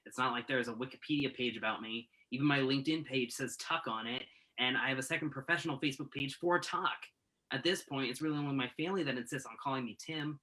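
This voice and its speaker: A man's voice: medium pitch, fast talker, pushed and bright, natural voice, low-quality recording. A man playing an exasperated, principled young journalist in a staged play reading, protesting with wry sarcasm in natural dialogue. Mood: defensive.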